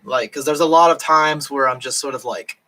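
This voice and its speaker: Late at night, a drunk man rambles on a live stream from his home in Japan, halting often, using lots of fillers and restarting sentences. His medium-pitched voice has a sharp tone and is starting to go hoarse. The audio quality is poor.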